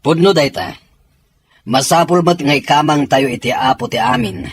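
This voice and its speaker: A man playing an earnest soldier in an audio drama, with a rough, husky voice and a Filipino accent. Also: a little high, moderate pace. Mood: grave, urgent. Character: earnest Filipino soldier readying comrades for battle. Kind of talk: Ilocano audio drama acting.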